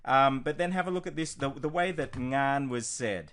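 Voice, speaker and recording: A man's voice: medium pitch, animated, fast, fairly bright tone. Casual male coach, full of ums. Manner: informal, with frequent ums and restarts. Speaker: language coach. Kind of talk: screen-recorded teaching walkthrough.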